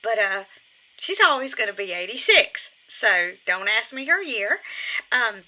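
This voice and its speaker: Very bright, animated woman teaching comedy. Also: fairly high pitch, a little slow, low-quality recording. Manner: chatty, digressive, addresses her puppet. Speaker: comic ventriloquist teaching puppetry. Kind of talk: informal instructional talk.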